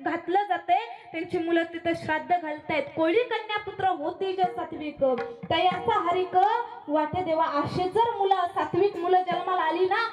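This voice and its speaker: A woman kirtan preacher giving a devotional sermon at a memorial gathering, repeating her points with emphasis and addressing listeners as maharaj. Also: very high-pitched. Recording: echoey room with faint music.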